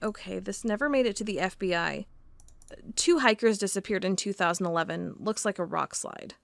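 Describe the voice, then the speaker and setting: A woman's voice: medium pitch, fairly quick, gravelly, no room sound, lightly acted. A woman playing a methodical federal agent. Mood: dry, reading. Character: female federal agent, methodical, increasingly uneasy. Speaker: investigator reviewing case files. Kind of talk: audio drama monologue.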